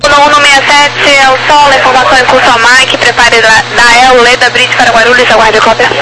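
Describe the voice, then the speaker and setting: Brazilian male air traffic controller, very high flat voice, procedural phraseology through aviation radio. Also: brisk, over loud music, rough recording. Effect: aviation radio transmission.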